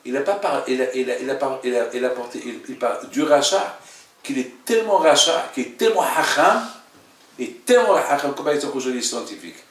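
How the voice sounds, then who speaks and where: Halting, emphatic man teaching in an echoey room. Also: mid-range voice, expressive. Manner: repeats phrases, halting, emphatic. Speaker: religious teacher, rabbi leading a class. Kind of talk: informal religious lesson with questions. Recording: echoey room, mic at a distance.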